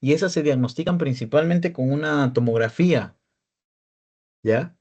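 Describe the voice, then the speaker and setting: A man's voice: fairly high pitch, normal speed, darkish tone, highs cut off. A young man giving a peer-tutoring radiology lecture, explaining cases and checking in often with his listeners. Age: young adult.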